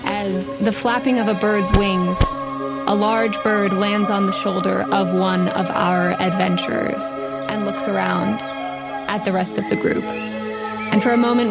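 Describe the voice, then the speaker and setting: A woman hosting and narrating a tabletop adventure game as its game master. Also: mid-range voice. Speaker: game master and podcast host. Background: music behind the voice.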